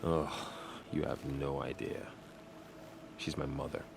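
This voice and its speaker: An actor playing a stoic, earnest young tribal warrior in a video game, speaking in a solemn, measured way. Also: male voice, very deep voice, level tone, gravelly, music in the background, exaggerated voice. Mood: heavy, subdued. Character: stoic grieving young tribal warrior man guarding a gate. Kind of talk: dramatic video game dialogue.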